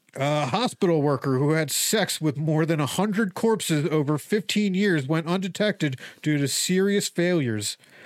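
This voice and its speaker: A man with an American accent speaks in an ordinary speaking voice at a fairly high pitch and a moderate pace. His pitch variation is ordinary, his loudness very even, and there are hardly any pauses. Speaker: comedian podcast co-host. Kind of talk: news joke reading.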